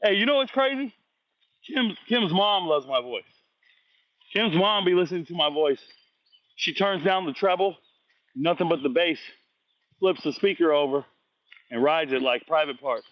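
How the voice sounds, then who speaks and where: A man's voice: a little high, expressive, normal speed, pauses often, dry recording, lo-fi sound. A man running a football recruiting vlog, casually answering viewer comments with blunt, slangy trash talk after a workout. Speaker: high school football recruiting vlogger.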